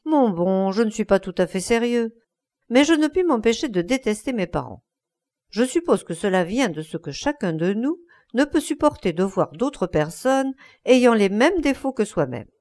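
Cynical young lord, airy and ironic, lively intonation , read by a woman. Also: a little high, moderate pace. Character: witty, languid aristocratic young lord, cynical.

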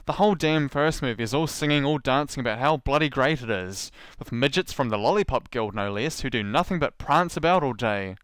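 A man's voice: mid-range voice, fairly quick, hardly any pauses, clear, resonant tone, no echo, clean studio sound. A man with a New Zealand accent giving sarcastic commentary as a podcast host. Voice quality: sarcastic, animated storyteller.

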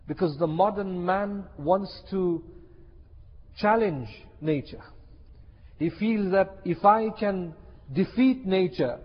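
A high-voiced male preacher delivers an impassioned sermon, repeating key phrases for emphasis. The recording has the echo of a hall and a dull, lo-fi sound.

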